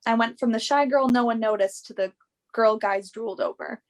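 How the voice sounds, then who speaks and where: Young female model, acted by a woman, play reading: highish voice, earnest, self-assured, assertive. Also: moderate pace, lightly acted. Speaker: actor in a virtual staged reading.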